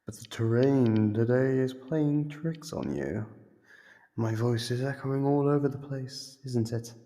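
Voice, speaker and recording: A man playing a sadistic, playfully menacing monster captor in an ASMR horror roleplay, with a gravelly, husky voice and a slow, teasing delivery. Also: medium pitch, animated, dark tone. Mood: taunting, amused.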